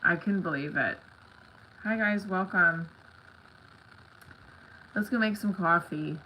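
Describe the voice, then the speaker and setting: A middle-aged woman with a stuffy, congested nose hosts a live stream from home; she's a comedy creator and performer. Her fairly low voice is slow, pushed and bright as she chats candidly, bluntly and ramblingly. The home recording is clearly noisy, with clicks.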